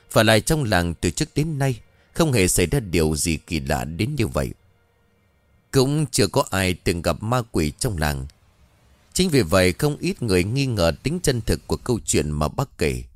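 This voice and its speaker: A man narrating a scripted ghost story in an expressive storytelling manner. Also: lowish voice, no room sound. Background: faint background music.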